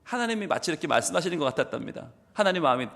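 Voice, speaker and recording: Gyeongsang-accented male pastor, high voice that swings widely, storytelling sermon in a reverberant church hall. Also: rapid-fire, gravelly. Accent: Busan Gyeongsang. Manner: animated storytelling, acts out the people in his story. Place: church sanctuary.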